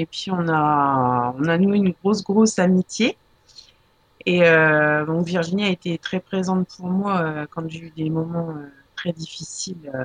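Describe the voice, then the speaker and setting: A woman's fairly low-pitched voice at a very slow pace, ordinary pitch variation, and a dry, close sound with no echo. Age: 30s. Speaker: breastfeeding mother sharing her story. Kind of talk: testimony.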